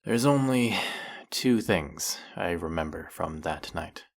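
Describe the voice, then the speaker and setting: A man acts out a brooding vampire, centuries old, who hunts other vampires. His voice is very deep and thick with gravelly fry. He speaks slowly and deliberately, leaving dramatic pauses as in an intimate audio drama monologue. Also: expressive, heavily acted. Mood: grim, regretful. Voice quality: gravelly, low. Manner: slow, measured, dramatic pauses.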